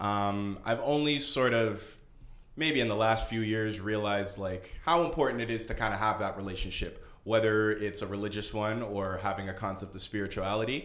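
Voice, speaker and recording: Using an ordinary speaking voice, a man speaks at a moderate pace with a fairly low pitch and ordinary pitch variation. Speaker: podcast producer.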